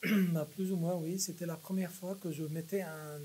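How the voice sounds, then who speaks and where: A middle-aged man giving casual, halting answers as a volunteer in a demonstration. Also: a little high, steady tone, mellow, slight background noise. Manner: hesitant, halting.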